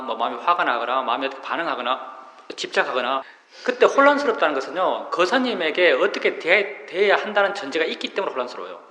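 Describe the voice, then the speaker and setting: A man's voice: on the high side, bright, forceful tone. A middle-aged man, a Buddhist monk giving a dharma talk to meditators, explaining patiently and asking rhetorical questions. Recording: roomy hall reverb.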